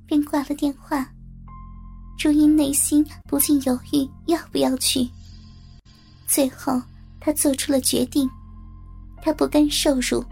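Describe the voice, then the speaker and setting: A woman reading a scripted audio story in a steady, even narrating manner. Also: high-pitched, creaky.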